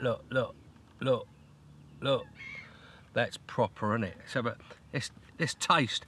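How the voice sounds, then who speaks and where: A man's voice: medium pitch, a bit bright, a little hiss or hum. A middle-aged man chatting casually in an outdoor fishing vlog, filmed on a close handheld camera beside a lake. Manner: chatty, repeats "look" often, coos at his dog. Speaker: fishing vlogger. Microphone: handheld camera close to face.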